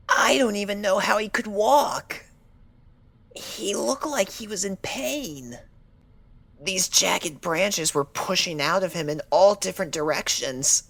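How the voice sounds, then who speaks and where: A woman plays a frightened young female pony in a dramatic audio story. She speaks slowly and haltingly, with a creaky edge, stammering and apologizing as she recounts an attack. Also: lowish voice, fairly bright tone, full character voice.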